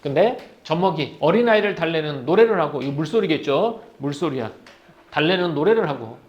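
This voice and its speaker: A man's voice: a little high, expressive, a little fast, lo-fi sound. A man teaching literature in a lecture for exam prep. He reads poem lines aloud, then paraphrases them in casual speech and fires questions at the students.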